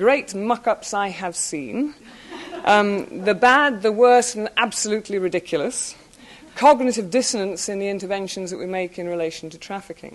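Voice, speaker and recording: Over noticeable background noise, a woman with a British accent speaks at a fairly quick pace with ordinary pitch variation. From Britain. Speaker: human rights official and lecturer. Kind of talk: lecture. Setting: stage with audience at university. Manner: informal, conversational.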